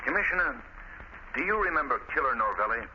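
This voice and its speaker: An actor plays a calm gentleman sleuth in an old radio drama. He questions politely, with a widely moving, mid-pitched voice. The recording is muffled with faint hiss. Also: quick pace, natural voice. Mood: polite probing. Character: calm, probing gentleman amateur detective. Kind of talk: 1930s radio drama acting.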